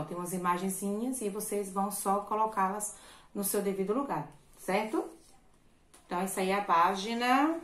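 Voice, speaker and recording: The voice is a bright-ish, mid-range woman's voice in an echoey space: a Brazilian primary school teacher recording a remote lesson for kids. She repeats herself patiently and keeps checking in with "certo?".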